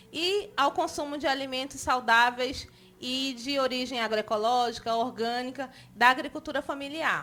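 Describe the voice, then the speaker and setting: Pitch rises and falls in an ordinary way. The voice is projected and raised. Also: woman. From Brazil, Amazonas (Careiro, rural community). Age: 30s. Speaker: podcast co-host, feminist activist. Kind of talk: podcast self-introduction.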